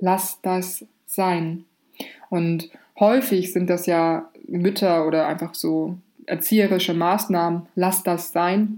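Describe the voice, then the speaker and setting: A woman's fairly low, dark and mellow voice at a very slow pace, with ordinary pitch variation, on a very clean recording with a silent background. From Germany, rural village. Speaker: podcaster. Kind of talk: personal monologue podcast.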